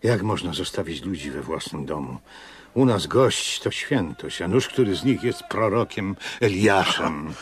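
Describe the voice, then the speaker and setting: A very low, highly expressive voice of an aging Jewish innkeeper in a radio drama. He is anxious and stubborn, questioning plaintively and guarding the guests under his roof. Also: unhurried. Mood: pleading, stubborn. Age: older.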